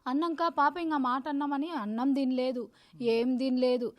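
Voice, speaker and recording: A woman's voice: high voice, steady tone. A woman, giving an urgent news interview as the victim's elder sister. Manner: agitated, rapid and insistent; urgent, grieving recounting.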